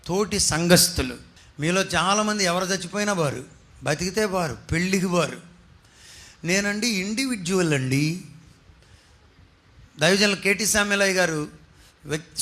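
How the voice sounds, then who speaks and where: High, bright-voiced male preacher. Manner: rousing preacher, rhetorical questions to the congregation. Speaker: pastor. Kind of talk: sermon.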